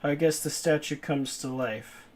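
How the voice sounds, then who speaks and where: A man's voice: fairly high pitch, measured pace, a little mellow. A young man from New England giving rambling, casual commentary while playing a video game, laughing easily as he talks. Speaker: gaming channel host. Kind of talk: casual let's-play commentary.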